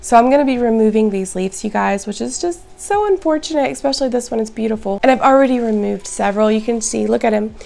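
Hoarse, gravelly-voiced woman vlogger. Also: on the high side, fast, hardly any pauses, warm tone. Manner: chatty, upbeat, addresses viewers directly. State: hoarse, raspy voice. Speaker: plant vlogger. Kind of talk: casual show-and-tell vlog.

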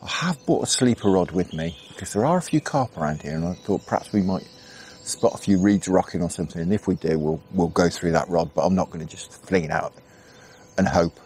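A middle-aged man from England talks through his fishing session outdoors on a canal bank at dawn. His voice sits low and deep, and his manner is relaxed and chatty, thinking aloud with easy fillers. Faint outdoor ambience with birdsong runs underneath. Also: fairly quick, slight background noise. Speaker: angling vlogger. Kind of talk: casual commentary while fishing. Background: birdsong and insects.

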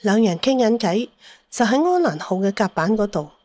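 A woman narrates a scripted adventure story as an audiobook. Her pitch is average for a woman. The recording is dry and close, with no room sound. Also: big pitch swings, moderate pace, a little mellow, no room sound.

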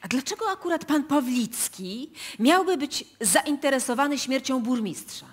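An actress playing a puzzled, questioning prosecutor in a radio play, with a probing, businesslike manner. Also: female voice, high-pitched, animated, normal speed, husky. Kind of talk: live radio play acting.

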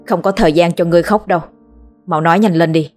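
A woman's voice: fairly low pitch, faint music behind, lightly acted. A woman playing a brusque old exorcist man. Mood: stern. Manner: curt, commanding, rapid. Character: stern older male village exorcist, brusque and impatient.

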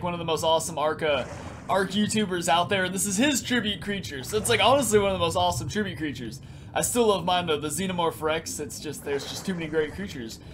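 A young man in his twenties doing energetic, crude gameplay commentary in a small room, his voice raspy because he just woke up. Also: high-pitched. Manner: energetic, crude, rambling with lots of "like". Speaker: gaming YouTuber. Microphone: headset.

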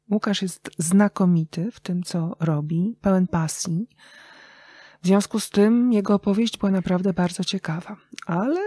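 A middle-aged woman, a radio journalist and writer, appears as an interview guest and tells anecdotes conversationally. Her voice is mid-range and dark-toned, captured in a dry recording.

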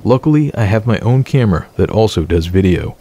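A man narrates in a calm, measured voice-over, walking the listener through an abandoned house. His voice sits fairly low and has a dark, mellow tone. The delivery is steady and scripted. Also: breathy edge. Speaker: urban exploration narrator.

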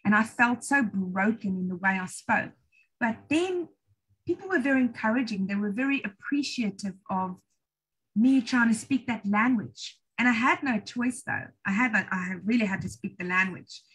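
A woman's voice: fairly high pitch, animated, moderate pace, a bit bright, slightly rough, poor audio. A middle-aged South African woman, an English trainer, answering questions on a video call in a chatty, encouraging way. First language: English or Afrikaans. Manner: chatty, encouraging, self-deprecating. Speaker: IELTS trainer hosting a webinar. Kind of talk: webinar Q&A answers. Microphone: laptop video call.

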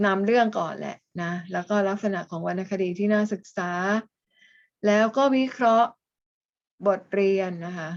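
A woman teacher giving a class lecture, explaining step by step and often adding soft polite endings. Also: medium pitch. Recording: slightly dull, lo-fi.

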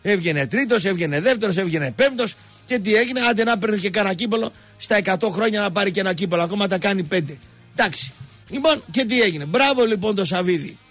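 On a radio sports show, a high-pitched male host goes on about football, digressing freely and poking fun as an animated storyteller. Faint music can be heard behind him, picked up by a studio mic.

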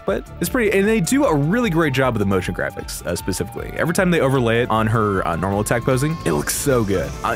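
Young man, lively swinging intonation, gushing reaction commentary, slangy, casually sweary, music behind. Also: medium pitch. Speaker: video creator reacting to game trailers.

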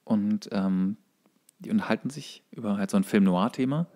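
A man's voice: lowish voice, moderate pace, dark tone. A man co-hosting a podcast, chatting casually as he retells cartoon episodes. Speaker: podcast co-host.

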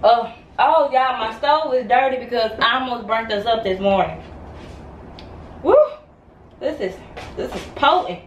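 A woman's voice: on the high side, a little slow, pauses often, highs cut off, slight background noise. A woman in her twenties vlogging casually to camera, chatty and unfiltered, filming on a handheld phone at home and then in her car. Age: 20s. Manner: chatty, unfiltered, talks straight to viewers. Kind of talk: casual vlog rant to camera.

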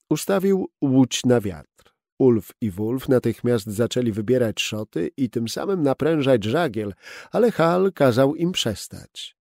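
A man narrating an audiobook in a steady, expressive storytelling manner, recorded close up in a studio booth. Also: medium pitch, creaky, no echo. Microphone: close studio mic.

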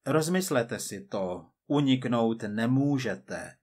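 A man voicing a cold, persistent male agent from the future, measured and quietly menacing. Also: medium pitch, lively intonation, slightly rough.

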